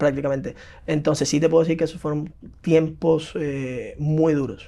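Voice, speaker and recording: A man's dark, mellow voice sits at a fairly high pitch, with monotone, flat intonation and a moderate pace. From Cuba. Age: 30s. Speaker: entrepreneur. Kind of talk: interview. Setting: in person in Miami.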